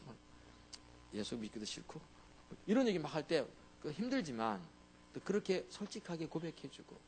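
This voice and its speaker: A man's voice: on the high side, very animated, normal speed, slight background noise. A male pastor preaching a sermon in a conversational way, often asking the congregation to agree with him.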